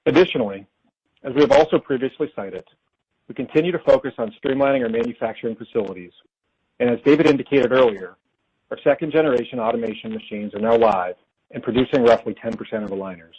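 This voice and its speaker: A man presenting as a company finance executive on an earnings call, reading prepared figures in a formal, measured way. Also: mid-range voice, husky. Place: conference call. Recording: dull, lo-fi conference call audio.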